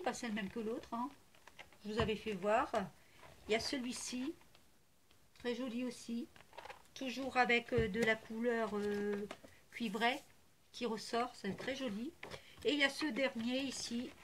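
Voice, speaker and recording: Woman, fairly high voice, casual haul vlog, chatty, hesitant, gushing, faint background hiss. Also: a bit bright. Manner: chatty, hesitant with many fillers, gushing and repetitive. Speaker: crafting vlogger showing a haul. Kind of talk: casual chat to camera.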